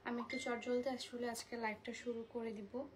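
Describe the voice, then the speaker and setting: A woman selling saris on a live stream, speaking softly because of a migraine and mixing English words into her Bengali. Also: fairly high pitch, little pitch movement, moderate pace, background noise. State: suffering a migraine. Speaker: live sari seller. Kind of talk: live-stream sales chat.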